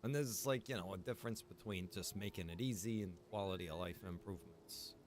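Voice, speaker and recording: A man giving casual live gaming commentary as a streamer, rambling and thinking out loud. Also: deep voice, a little fast, slight background noise. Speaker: game streamer.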